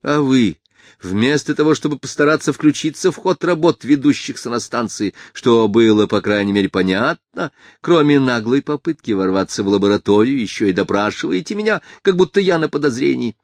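A male audiobook reader voicing a tense, haughty middle-aged scientist with a shrill voice that rises to falsetto. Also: expressive, fairly quick, no echo, studio quality, close to an everyday voice. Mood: indignant. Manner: indignant and haughty, then pleading.

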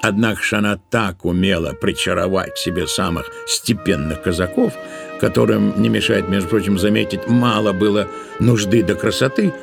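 A man's voice: fairly low pitch, moderate pace, vocal fry. A man narrating a literary tale as an audiobook storyteller, expressively and with playful, wry intonation. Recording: studio audio drama with music behind. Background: music.

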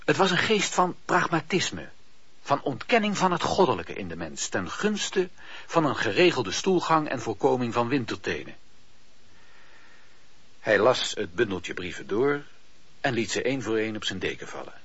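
A man narrating a historical radio drama in a measured, wry, literary storytelling manner. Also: mid-range voice, sing-song, fairly bright tone, slightly rough, dry recording. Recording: muffled lo-fi radio drama recording.

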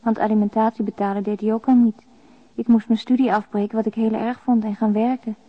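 A woman's voice: fairly high pitch, level tone, a little fast, narrow, tinny audio, natural voice. An actress playing a distressed divorced woman voicing her own letter in a radio drama. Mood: sorrowful.

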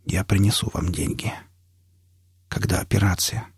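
A man voicing a grim, dying male stalker who speaks hoarsely and with effort in an audiobook. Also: low voice, fairly even intonation, moderate pace, no echo, clean studio sound, heavily acted. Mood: strained, weary. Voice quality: hoarse, strained.

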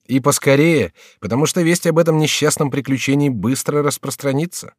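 A man voicing a rash young nobleman with a sardonic, brisk manner, in an audiobook reading. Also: medium pitch, dry recording, clean studio sound, pitched above the performer's own voice, close to an everyday voice. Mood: wry.

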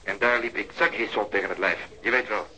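An actor playing a teasing, long-winded male police colleague in a radio crime drama, telling things in a sly, drawn-out way. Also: on the low side, sharp tone, low-quality recording.

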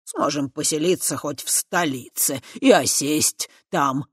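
A shrewd old horned creature, a grandfather figure who weighs each word slowly and calculates his gain, as a reader puts him on. The voice sits lower than the narration and is close and dry, with no room around it. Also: a bit bright, slightly rough, dry recording. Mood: persuasive.

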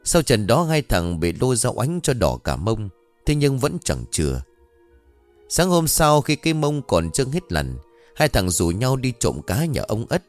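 A man narrating a scripted ghost story in an expressive storytelling manner. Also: mid-range voice, measured pace. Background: faint background music.

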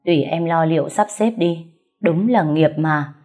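A tired older patriarch speaks in a lowered, heavy voice, firm yet worn out, as a woman reader puts him on. Faint music sits behind. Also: a little slow, a little mellow. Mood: weary stern. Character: weary older man, stern patriarch.

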